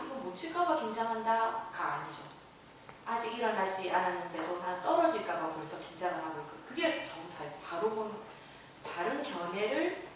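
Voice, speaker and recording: A woman's voice: mid-range voice, a bit bright, slight background noise. A Buddhist nun giving a dharma talk to a class in a conversational way, with personal stories and voices for her own inner thoughts. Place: temple lecture hall. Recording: echoey, from far off.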